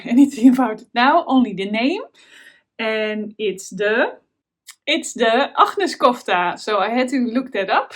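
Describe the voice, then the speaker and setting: A Dutch woman with a Dutch accent hosting a knitting vlog, talking in a casual, hesitant way with many fillers and restarts. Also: a little high. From Netherlands. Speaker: knitting podcast host. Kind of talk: casual chat to camera.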